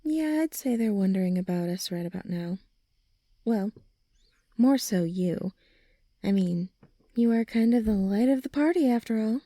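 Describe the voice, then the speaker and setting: A young woman playing a supportive, gently reassuring friend in an ASMR comfort roleplay, speaking softly and soothingly. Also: mid-range voice, lively intonation, moderate pace, pauses often, dry recording, close to an everyday voice. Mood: warm, affectionate. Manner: soft, soothing, encouraging, breathy sighs and chuckles.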